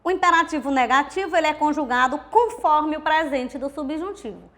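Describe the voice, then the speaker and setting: High-voiced Brazilian woman teaching grammar. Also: a bit bright. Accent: Brazilian Portuguese. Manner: slow, deliberate explanation, counting syllables aloud; asks rhetorical questions to the class. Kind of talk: recorded grammar video lesson.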